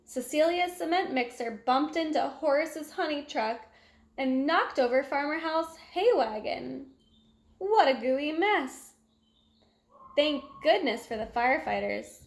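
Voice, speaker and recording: Female storyteller for a children's picture book, high voice, expressive delivery, echoey room. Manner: animated, exclamatory, acts out sound effects. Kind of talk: expressive children's read-aloud narration.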